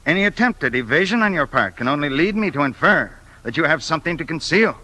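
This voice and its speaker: A pompous suspicious politician. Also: male voice, fairly high pitch, animated, fast talker, sharp tone. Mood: stern. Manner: lawyerly, insistent, speechmaking. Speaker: the Investigator. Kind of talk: 1950s radio play acting.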